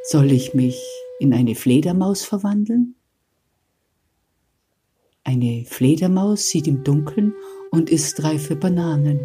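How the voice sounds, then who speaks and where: A woman voicing a weary, timid old rat in a told fairy tale, fretting slowly over what to become. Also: low-pitched, animated, warm tone, faint music behind. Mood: fretful.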